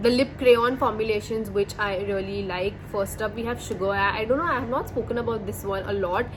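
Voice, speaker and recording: Amid noticeable background noise and audible room echo, a woman talks at a fairly quick pace with hardly any pauses, in a fairly high pitch with ordinary pitch variation. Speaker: beauty vlogger. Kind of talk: product review. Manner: fast; animated.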